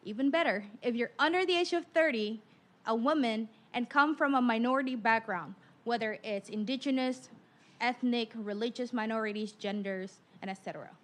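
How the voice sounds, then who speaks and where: A woman speaks on a discussion panel. Her voice sits a little high, and she addresses the audience directly with pointed questions. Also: moderate pace. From Indonesia.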